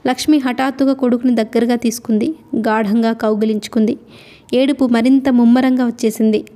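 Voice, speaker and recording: A woman's voice: fairly high pitch, fairly even intonation, fairly quick, mellow. A woman reading a novel aloud as an audiobook narrator, telling the story steadily.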